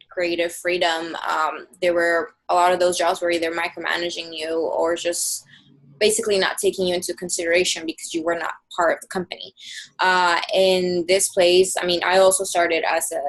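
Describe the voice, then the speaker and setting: A woman's voice: on the low side, rough recording. A young woman from Mexico chatting casually about her job search as a coaching client, filling her talk with "like" and "um". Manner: chatty, lots of "like" and "um" fillers. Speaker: coaching client giving a testimonial. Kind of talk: casual interview answers.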